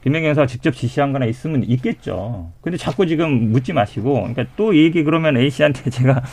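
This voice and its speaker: A man speaking as a party spokesman, pushing back in a conversational way. He talks quickly and keeps going through his points. His pitch sits at an ordinary male level. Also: expressive, vocal fry, darkish tone. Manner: defensive, conversational rebuttal. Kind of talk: political debate.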